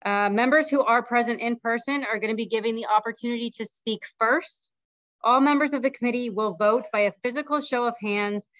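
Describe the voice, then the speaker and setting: A woman's voice: fairly high pitch, brisk, fairly bright tone, dry recording. A woman facilitating a committee meeting, moving between informal remarks and procedural reading. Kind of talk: procedural meeting talk, partly read out. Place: meeting room, hybrid video call. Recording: dull, muffled meeting audio.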